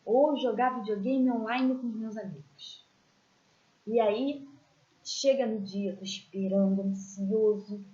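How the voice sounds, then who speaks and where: A woman teaching a children's religious class, telling stories in a gentle, expressive way and pointing out pictures as she goes. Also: a little high, takes it slowly. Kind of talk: storytelling lesson for children. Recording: echoey room, dull lo-fi sound.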